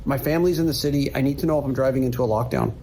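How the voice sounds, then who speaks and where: A man playing an earnest trucker on the CB in a horror radio drama. His mid-pitched voice is steady and concerned, with faint noise behind it. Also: rapid-fire, close to an everyday voice. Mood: steady, urgent. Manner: plain, steady, concerned, clipped radio procedure. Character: earnest, worried male long-haul trucker and army veteran.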